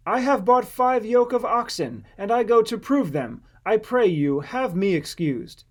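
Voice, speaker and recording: A man plays a pleading man in a scripture audiobook. The pitch is lifted well up, and the manner is apologetic and entreating. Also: expressive, unhurried. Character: pleading men making entreaties and polite excuses.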